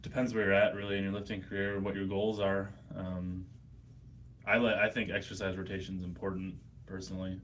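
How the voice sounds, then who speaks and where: Hungover American male streamer, slightly deep voice, loose profane chat, faintly noisy room. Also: level tone, brisk, fairly bright tone. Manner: profane, blunt, slangy. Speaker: livestream host. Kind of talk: casual livestream chat answering viewers' questions.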